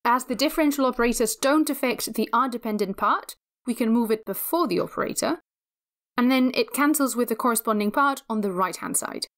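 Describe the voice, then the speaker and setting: A woman with a fairly high voice narrates a physics lecture. She explains each step in a measured, methodical way.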